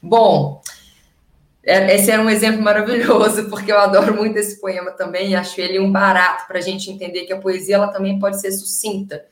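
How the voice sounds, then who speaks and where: A Brazilian woman with a Brazilian Portuguese accent, teaching literature in an enthusiastic, chatty way and tossing rhetorical questions at her class. Her voice sits at an ordinary middle pitch. The room is echoey, with the sound bouncing around her. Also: level tone, brisk. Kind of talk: casual online class lecture.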